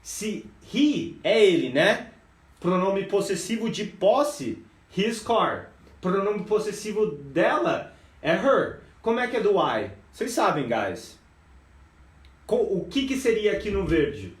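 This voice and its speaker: A Brazilian man with a fairly high voice, giving a lively English lesson on a live stream. He speaks with a Brazilian Portuguese accent and keeps calling his viewers "guys". The sound is echoey, and he sits a little back from the mic. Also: slow pace, recorded from a distance. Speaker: English teacher. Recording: echoey room, voice a bit off-mic.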